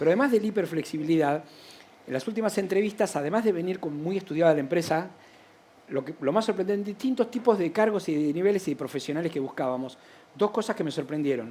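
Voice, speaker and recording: This man talks at a very fast pace in a high pitch. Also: lively intonation. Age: 60s. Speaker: real estate executive. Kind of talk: panel discussion.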